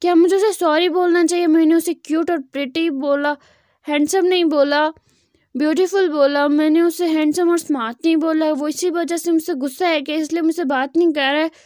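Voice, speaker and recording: A clingy, impatient teenage boy who whines and pleads, read by a woman in her own storytelling voice. The voice sits high. It is recorded close and dry, with no room sound. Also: fairly even intonation, a little fast, a little mellow, no room sound, natural voice. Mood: upset.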